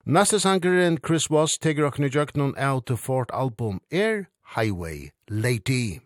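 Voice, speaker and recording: Casting: male radio presenter, mid-pitched, steady read-out links, dry studio sound. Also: no room sound. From Faroe Islands. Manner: measured, reading linking lines. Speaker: radio host. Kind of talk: scripted narration.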